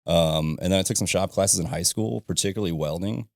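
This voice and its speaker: A man in his thirties from southern Illinois, a guest on a podcast, chatting in a relaxed way with frequent laughs and "you know what I mean". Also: sits low, brisk, vocal fry, dry recording, clean studio sound. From southern Illinois, USA. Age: 30s. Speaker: podcast guest, ironworker and business owner. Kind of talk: casual conversation. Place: podcast studio.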